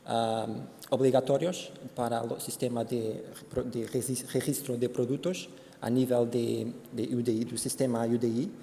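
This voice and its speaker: A Portuguese man giving a conference presentation in Spanish with a Portuguese accent, speaking haltingly with many fillers and restarts. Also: mid-range voice, flat delivery, vocal fry, dark tone. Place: conference hall. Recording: hall reverb, faint background noise.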